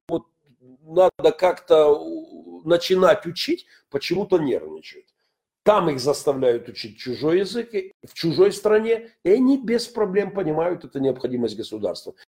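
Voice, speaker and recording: A middle-aged man from Ukraine, a pastor giving his own opinion broadcast, pausing often on "uh" and pushing up high on stressed words. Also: warm tone, husky. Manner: frequent "э" hesitations, emphatic rises. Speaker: pastor and commentator.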